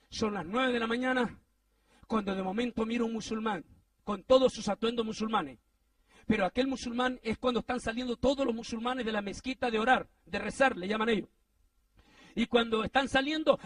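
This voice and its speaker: A man preaching, telling a story in a sermon, animated and rising to shouts at the peaks. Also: recorded from a distance. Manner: animated, swings from low asides to shouted climaxes.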